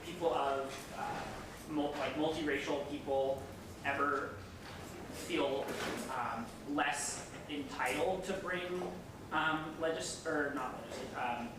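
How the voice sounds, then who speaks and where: Echoey, distant, hesitant man asking a question. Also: fairly high pitch. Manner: hesitant, halting, searching for words. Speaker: audience member asking a question. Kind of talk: spontaneous academic question. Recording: echoey room, distant mic, clear noise.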